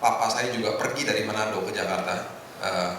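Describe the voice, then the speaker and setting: A middle-aged man preaching informally to a congregation in a conversational, joking way, with hesitant pauses. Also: fairly low pitch, fairly even intonation, pushed and bright. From Indonesia. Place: large echoing indoor hotel hall. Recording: echoey hall, distant mic, noisy room.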